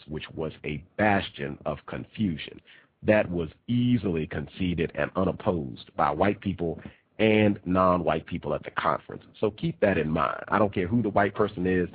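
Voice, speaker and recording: A man's voice: sits low, breathy edge, no echo. A man hosting a talk radio show, congested and nasal from a cold, delivering an emphatic monologue and repeating key phrases. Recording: tinny phone-line quality.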